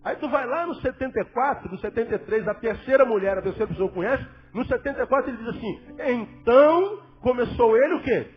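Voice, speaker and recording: Brief: a high-voiced male pastor preaching with dramatic swings in volume, on a dull lo-fi tape. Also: fast, few pauses. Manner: dramatic, swings between loud emphasis and near-whisper. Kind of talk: sermon. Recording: dull lo-fi with faint music.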